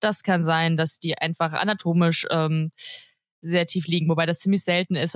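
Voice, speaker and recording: Dry and close with no echo, a woman's fairly low-pitched, fairly quick speech has a plain, everyday voice. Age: 30s. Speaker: veterinarian. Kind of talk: casual chat.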